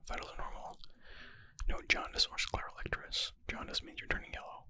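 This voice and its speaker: A male ASMR creator reads and answers medical exam questions in a bright, airy, fully breathy whisper with no voiced tone. He goes a little fast, mixing the reading with casual murmured commentary as though thinking aloud.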